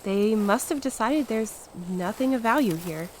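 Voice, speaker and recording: A game, playful explorer with a highish, very animated voice. She teases wryly and stays unbothered, in natural audio drama style. The background is clearly noisy. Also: unhurried. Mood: wry, supportive. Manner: teasing, wry, unbothered. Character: playful, adventurous, teasing young woman named Clem.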